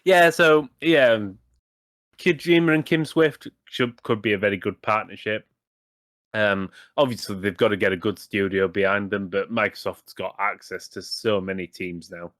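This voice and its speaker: A man's voice: lowish voice, steady tone, moderate pace, a bit bright, dry recording, studio quality. A man co-hosting a gaming podcast, talking casually in rambling, self-correcting sentences and swearing now and then. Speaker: podcast co-host.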